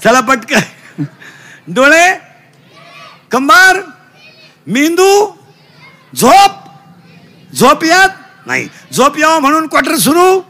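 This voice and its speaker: A middle-aged man preaching a comic kirtan. He shouts questions to the children and mixes broken English into his lessons. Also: extremely high pitch, wildly swooping pitch, slow pace, pauses often. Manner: shouting call-and-response with children.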